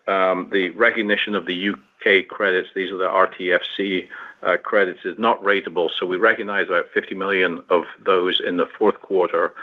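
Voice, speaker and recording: A man, a company executive, answering analyst questions on a conference call in a measured, explanatory way. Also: low-pitched. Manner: measured, explanatory, some fillers. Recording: tinny phone line.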